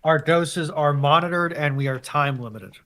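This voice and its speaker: A man in a casual panel discussion, explaining things in a halting, measured way. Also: fairly high pitch, a bit bright, slight background noise.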